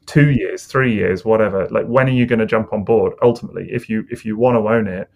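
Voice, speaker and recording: A man's voice: lowish voice, steady tone, fast, creaky, slight background noise. A man co-hosting a casual podcast chat, rambling and hesitant with lots of fillers. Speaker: podcast co-host.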